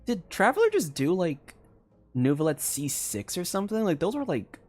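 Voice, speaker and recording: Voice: mid-range voice, sing-song, moderate pace, a little mellow. A streamer giving casual, offhand commentary while playing a video game.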